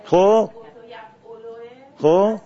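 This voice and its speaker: High-voiced man teaching a grammar class. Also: mellow. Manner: questioning, drills word forms aloud. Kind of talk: classroom lesson on Arabic grammar. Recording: dull lo-fi classroom recording.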